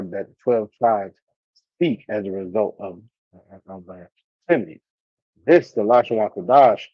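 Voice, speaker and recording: A man's voice: lowish voice, no echo, dull audio. A man teaching an online class, talking loosely with many fillers and restarts.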